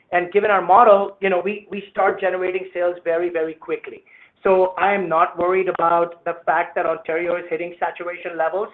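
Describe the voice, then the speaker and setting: A man speaking as a company executive, giving confident, salesy answers to analysts on an earnings call. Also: high-pitched. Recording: narrow, tinny conference phone line.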